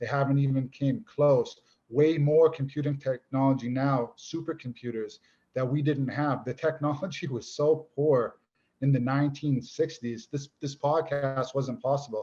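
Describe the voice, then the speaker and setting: A man speaks in a Boston accent with fairly even intonation. His voice is fairly high-pitched and somewhat breathy. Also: moderate pace. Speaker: YouTuber, guest debater. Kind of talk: podcast debate.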